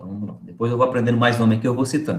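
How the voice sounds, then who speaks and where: A man speaks in a somewhat breathy voice. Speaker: Franciscan friar teaching a faith course. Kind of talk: online lecture. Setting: video call.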